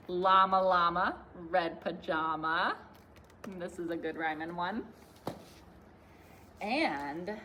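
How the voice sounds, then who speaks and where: A woman's voice: on the low side, sharp tone, a little hiss or hum. A young woman, a children's librarian, leading a class video with book picks, clapping games and finger-play songs in a cheerful sing-song way.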